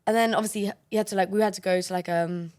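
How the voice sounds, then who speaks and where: Fast-talking animated London woman. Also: medium pitch. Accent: London English. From London, England. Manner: animated storyteller acting out quotes. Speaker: podcast guest, actress. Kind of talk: casual chat.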